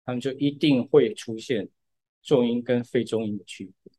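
On a casual podcast, a Taiwanese co-host talks through a music topic at normal speed. His voice is middle-pitched with a dark tone. He explains patiently, leaning on frequent filler words.

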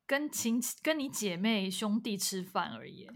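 A woman, co-hosting a casual chat podcast and responding warmly with her own stories. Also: mid-range voice, expressive, moderate pace. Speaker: podcast co-host.

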